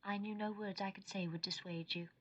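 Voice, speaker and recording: An actress voicing a devoted, earnest young queen in an animated Bible drama, speaking in an imploring way. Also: mid-range voice, a little fast, a little hiss or hum, natural voice. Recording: dull lo-fi sound.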